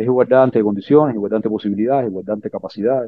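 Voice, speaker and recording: A man with a Cuban accent talks at a very fast pace with ordinary pitch variation. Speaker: political scientist. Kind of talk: interview.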